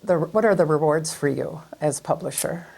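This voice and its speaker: A woman's voice: low voice, moderate pace, creaky, a little mellow, husky, poor audio. An American woman hosting a local television show, doing interviews and reading community announcements.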